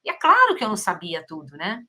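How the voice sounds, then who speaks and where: A woman's voice: mid-range voice, wildly swooping pitch, fast, pushed and bright. A middle-aged woman with a Brazilian Portuguese accent, hosting a podcast interview in a casual, effusive way. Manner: effusive, exclaims often. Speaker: podcast host.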